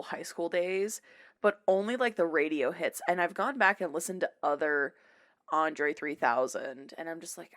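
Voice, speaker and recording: Slow-talking bright-voiced giggly woman. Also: sits low. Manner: giggly, animated storyteller. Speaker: podcast co-host. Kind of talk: casual chat.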